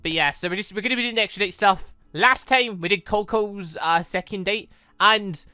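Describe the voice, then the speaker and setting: A man's voice: sits high, normal speed, sharp tone, clean tone, no room sound. A man hosting a gaming series with casual let's-play commentary, rambling and hesitant as he thinks aloud.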